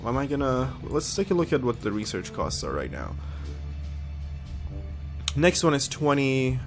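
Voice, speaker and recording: A man's voice: medium pitch, very animated, a little slow, faint music behind. A man hosting a let's-play video, a little sniffly from a cold, thinking aloud and reading game text with frequent ums. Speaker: gaming video host. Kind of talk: casual let's-play commentary.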